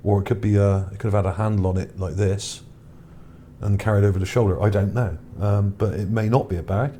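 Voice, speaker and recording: A man's voice: on the low side, steady tone, a little fast, mellow. A man giving casual, unscripted commentary on images for his video, musing and hesitant as he goes. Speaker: video narrator presenting own image finds. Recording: background noise under the voice.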